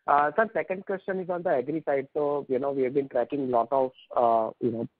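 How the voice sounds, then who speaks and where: Speaking briskly in a steady, medium-pitched voice, a man with an Indian accent questions management on an earnings call by phone. He is courteous but long-winded and hesitant, and the line sounds dry, narrow, and tinny, with no echo.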